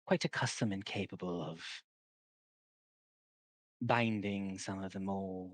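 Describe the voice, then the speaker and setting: A grinning male devil with a low, unhurried drawl, as a man puts him on. He savors every word in a slow, sly, relishing way. The sound is close and dry. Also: no room sound.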